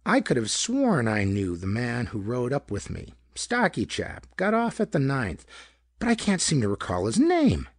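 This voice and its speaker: A man's voice: mid-range voice, huge pitch swings, normal speed, no echo, clean studio sound. A man voicing a sly, smug schemer who puts questions in a casual, probing way in a pulp detective story. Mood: feigned casualness.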